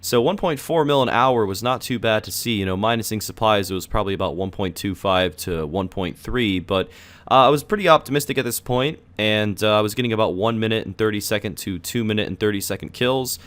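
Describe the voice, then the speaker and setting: A young man who is sick and losing his voice, talking casually over his gameplay footage as a gaming video creator, relaxed and chatty with frequent "uh"s and "you know"s. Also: on the low side, fairly quick. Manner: relaxed, chatty, filler-heavy.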